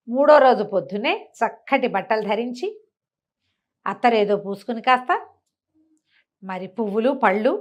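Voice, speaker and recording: A woman telling a village tale in a conversational way, animated and chatty with explaining asides. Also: medium pitch. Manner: animated retelling, acting out characters' remarks, explaining asides to a co-host. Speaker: storyteller. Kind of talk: conversational oral storytelling of a village folk tale.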